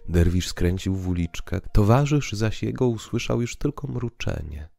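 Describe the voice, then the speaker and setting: A man's voice: on the low side, expressive, moderate pace, vocal fry, dark tone, dry recording. A man narrating a literary audio play in a dramatic, scripted style. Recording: piano music underneath.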